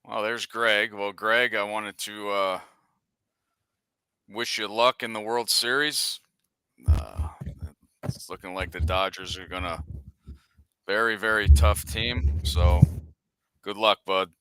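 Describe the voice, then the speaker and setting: A man's voice: lowish voice, takes it slowly, long pauses, pushed and bright, clear, resonant tone, dry recording, studio quality. A man co-hosting a casual sports chat, joking bluntly and swearing now and then. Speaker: podcast co-host.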